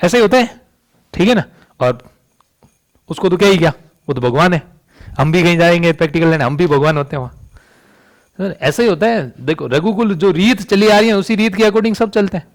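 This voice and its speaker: Man, chemistry teacher, classroom lecture, higher voice, rhetorical questions. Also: expressive, normal speed, pauses often. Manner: rhetorical questions, frequent "समझ रही बात?".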